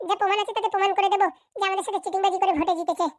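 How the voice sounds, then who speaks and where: A woman's voice: very high voice, little pitch movement, rapid-fire, no echo, clean studio sound. A woman voicing a bossy, impatient female politician in a comedy cartoon, curt and insistent.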